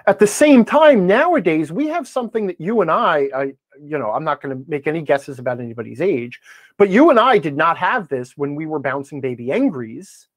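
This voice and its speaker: A middle-aged man debating conversationally as a podcast guest, assertive and quick to interject with pointed questions. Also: a little high, sing-song, dry recording. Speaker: podcast guest, game-advice blogger.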